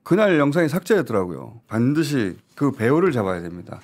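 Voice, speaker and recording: A man's voice: mid-range voice, very animated, fairly quick. A man giving heated news talk-show commentary, talking in an indignant, emphatic and urgent way. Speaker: political commentator.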